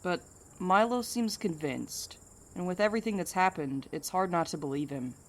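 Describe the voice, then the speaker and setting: Woman playing a lower-voiced, pragmatic, dry woman. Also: animated, normal speed. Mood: steady, reassuring. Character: steady, pragmatic, protective woman, wryly skeptical. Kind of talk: naturalistic audio drama acting.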